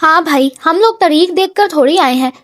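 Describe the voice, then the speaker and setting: A woman's voice: very high voice, no room sound, clean studio sound, pitched above the performer's own voice. A woman doing a sly, teasing young man. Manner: mock-innocent, teasing. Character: playful, sly young man backing up his friend.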